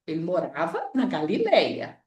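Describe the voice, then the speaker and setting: Animated Brazilian woman teaching, echoey room. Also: lowish voice, a little slow, distant mic. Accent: Brazilian Portuguese. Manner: explains with frequent checks like "tá?" and "né?". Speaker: Bible study teacher. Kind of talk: informal Bible study lesson.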